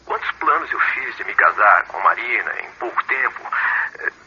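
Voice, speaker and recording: A man's voice: medium pitch, animated, moderate pace, bright, forceful tone. An actor playing an earnest, respectful and troubled young man in a radio drama. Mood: troubled, pleading. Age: young adult. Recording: slightly muffled recording with faint noise.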